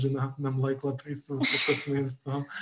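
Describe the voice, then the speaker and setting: Delivery is at a moderate pace. The intonation stays monotone and flat. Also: man. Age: 20s. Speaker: student, charity social media volunteer. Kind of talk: live stream interview. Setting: video call.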